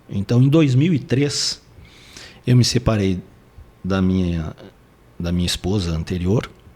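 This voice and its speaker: Pausing long and often, a man speaks at a fairly slow pace with a fairly low pitch and a dark, mellow tone. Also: lively intonation. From southern Brazil, Porto Alegre (Rio Grande do Sul). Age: 60s. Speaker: near-death experience survivor, spiritual guide. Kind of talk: interview testimony. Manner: halting, with fillers.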